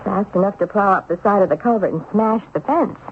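An actress playing a practical, sceptical but affectionate wife in a 1970s radio drama, speaking in a firm, wry way. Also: female voice, mid-range voice, fairly quick, a little hiss or hum, close to an everyday voice. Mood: brisk, firm. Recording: tinny, muffled old radio recording.

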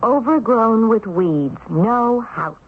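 An actress playing a practical, sceptical but affectionate wife in a 1970s radio drama, speaking in a firm, wry way. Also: female voice, on the high side, lively intonation, takes it slowly, slightly rough, heavily acted. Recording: tinny, muffled old radio recording.

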